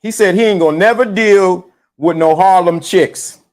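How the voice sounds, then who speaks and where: Man, high voice, loose slangy live-stream host who circles back on his points. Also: moderate pace. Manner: loose, animated, repeats himself, slangy. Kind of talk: casual live-stream commentary.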